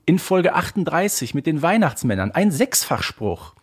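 A man's voice: fairly high pitch, sing-song, moderate pace, slightly rough. A man co-hosting a podcast, talking casually and emphatically in a mock-exasperated rant. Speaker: podcast co-host. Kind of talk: casual discussion of an audio drama series.

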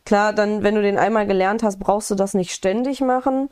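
A woman with a mellow, warm tone and a mid-range voice, chatting casually and enthusiastically about a video game. She talks freely, piles up thoughts and drops the odd swear word. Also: medium pitch, normal speed, smooth. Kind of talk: casual gaming chat.

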